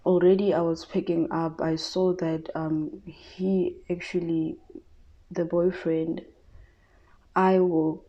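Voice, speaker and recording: Soft-spoken, hesitant woman. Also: on the low side, muffled recording. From South Africa. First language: Tshivenda. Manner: hesitant, many fillers and restarts. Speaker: tarot reader. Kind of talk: casual psychic reading.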